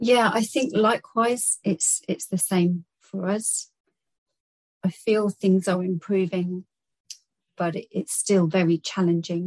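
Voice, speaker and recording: A woman in a British accent speaks at a very slow pace, medium in pitch with ordinary pitch variation. The sound is dry and close, with no echo. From UK. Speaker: therapist. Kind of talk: interview.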